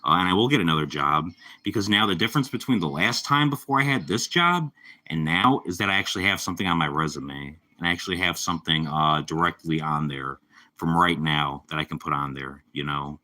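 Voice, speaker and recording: Very deep-voiced man with a cold. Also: a little fast, pushed and bright. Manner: rambling, laid-back, lots of fillers. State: slightly raspy from a cold. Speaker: livestreamer. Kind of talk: casual live-stream chat with viewers.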